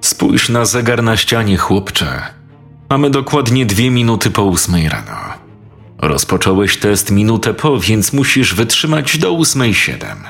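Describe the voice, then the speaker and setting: A man voicing a cold, menacing dentist who torments his victims, speaking in a slow, measured way in a dramatized audio story. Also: sing-song, a bit bright, full character voice. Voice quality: deep gravelly, slow and measured. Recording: faint music behind.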